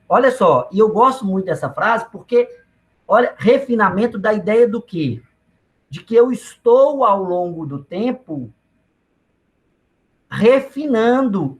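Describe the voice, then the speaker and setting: A man giving a casual economics lecture, talking to students conversationally with personal anecdotes and asides. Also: high-pitched. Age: adult father of young children.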